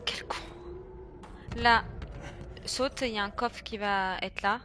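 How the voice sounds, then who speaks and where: A young woman from France playing a horror game and commenting casually, chatty and excitable, swinging from shrieks to low mutters. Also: takes it slowly, noisy background. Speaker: gaming streamer. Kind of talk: casual let's-play commentary.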